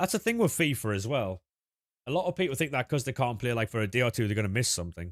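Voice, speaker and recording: A man's medium-pitched voice with a northeast England accent, very wide pitch swings and a very fast pace, in a very clean recording with a silent background and a dry, close sound with no echo. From northeast England, Sunderland. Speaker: gaming streamer. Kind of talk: casual chat. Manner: casual, relaxed.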